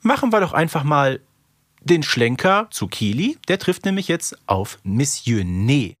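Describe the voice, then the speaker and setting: A man's voice: fairly high pitch, big pitch swings, unhurried, fairly bright tone, no room sound, studio quality. A man co-hosting a podcast, casually reviewing an audio drama and often tagging on questions for agreement. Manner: conversational, seeks agreement with tag questions. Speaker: podcast co-host.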